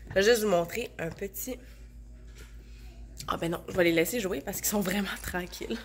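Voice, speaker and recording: A woman's voice: medium pitch, moderate pace, slight background noise. A woman in her thirties with a Québécois French accent, chatting casually to her phone at home. She has a cold, so she sounds nasal and stuffed up, and she rambles with lots of fillers. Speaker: vlogger, stay-at-home mom. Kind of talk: casual chat to camera. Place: home, indoors. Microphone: handheld phone.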